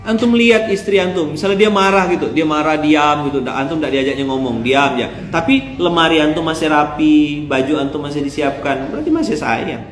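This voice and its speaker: A male preacher with a Pontianak Malay accent, giving a joking, animated sermon and acting out voices of husbands and fathers. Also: fairly high pitch, brisk, few pauses, reverberant. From Indonesia. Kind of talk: lively sermon.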